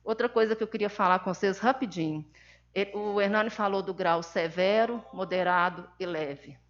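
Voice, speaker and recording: A woman's voice: medium pitch, moderate pace. A Brazilian woman, a mother, giving an emphatic, indignant personal testimony at a seminar, acting out the dialogue of her story. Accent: Brazilian Portuguese. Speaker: seminar speaker, mother of an autistic son. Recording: dull lo-fi sound.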